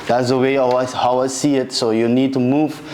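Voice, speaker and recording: A man's voice: mid-range voice, level tone, fairly quick, a little mellow, slight background noise, poor audio. Aruban accent guy, music director in an interview, mid voice, repeats stuff for emphasis. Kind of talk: casual interview.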